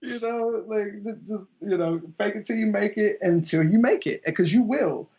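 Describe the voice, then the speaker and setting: A man's voice: high voice, moderate pace. A young man, a guest teacher, chatting casually in an interview and acting out quoted voices with laughs as he tells stories. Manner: animated storyteller, acts out quoted voices with laughs. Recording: dull lo-fi audio.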